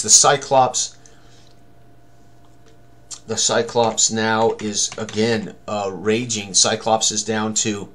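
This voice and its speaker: A man's voice: on the low side, fairly bright tone, slight background noise. An older man thinking aloud as game master, narrating a tabletop combat tutorial with dramatic turns of phrase. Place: small room indoors at a computer.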